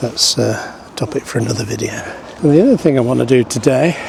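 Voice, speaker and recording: Over noticeable background noise, a man with an English accent speaks at medium pitch with ordinary pitch variation. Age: 60s. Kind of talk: casual talk to camera while walking.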